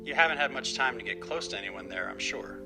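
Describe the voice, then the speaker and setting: An actor playing a worried, protective older father in an audio drama, gently cautioning and a little hesitant. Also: medium pitch, lively intonation, fast, music in the background, lightly acted. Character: worried, protective older dad, homebody tinkerer. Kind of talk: naturalistic audio drama acting.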